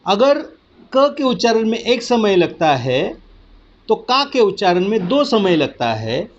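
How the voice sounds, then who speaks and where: A male teacher gives a recorded lecture at a slow, deliberate pace. His voice sits fairly high, and he keeps stopping to check that his students are following. The sound is dull and lo-fi. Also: very animated. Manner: slow, patient explaining with repeated check-ins.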